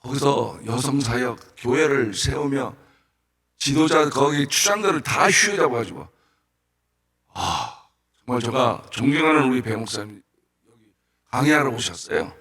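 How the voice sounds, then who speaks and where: A man preaching a sermon as a guest missionary in a church, telling stories with animated bursts of shouting and questions to the congregation. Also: mid-range voice, measured pace, pauses often, breathy edge. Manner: storytelling with rhetorical questions to the congregation. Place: church sanctuary.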